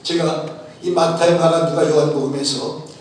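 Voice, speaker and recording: A man's voice: fairly high pitch, fairly even intonation, normal speed, darkish tone. A male pastor preaching a sermon with emphasis, often telling listeners to listen closely and asking rhetorical questions. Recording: echoey hall from far off, faint noise.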